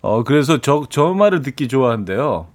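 Relaxed man hosting radio chat. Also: mid-range voice, normal speed. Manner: relaxed, explanatory, acts out quotes. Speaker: radio host.

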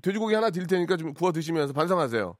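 Fast-talking radio guy, bouncy voice, teasing callers dry and deadpan. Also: fairly high pitch, dry recording. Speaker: radio host. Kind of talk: phone-in radio show. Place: radio studio.

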